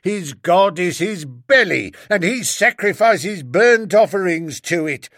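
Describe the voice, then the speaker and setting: A man's voice: sits high, expressive, slow pace, fairly bright tone, dry recording, studio quality, voice pushed up, exaggerated voice. A man voicing a bearded street-corner agitator who bellows scornful, declamatory speeches at a crowd. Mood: ranting.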